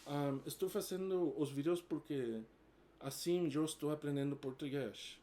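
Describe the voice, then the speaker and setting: A man's voice: a little high, measured pace, dark tone. A man in his forties, a native English speaker, talking casually and hesitantly to camera, with many fillers, and switching between Portuguese and English. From United States. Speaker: vlogger. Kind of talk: casual bilingual talk to camera.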